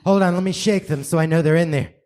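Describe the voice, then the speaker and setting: Man playing a high, halting, bumbling heroine. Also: a little mellow, lightly acted. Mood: eager, silly. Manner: halting, repeats words, amused. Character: dazed, eager woman turned bumbling magical vampire slayer. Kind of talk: improvised stage radio play. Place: live comedy theater stage. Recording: noisy live theater stage recording.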